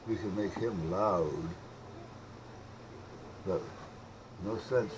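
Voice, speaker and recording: A man chatting casually and rambling as he thinks out loud while doing hobby radio repair. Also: low voice, extremely slow. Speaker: hobbyist radio repairer showing his work. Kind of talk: casual unscripted vlog chat while working. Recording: clearly noisy hobby video recording.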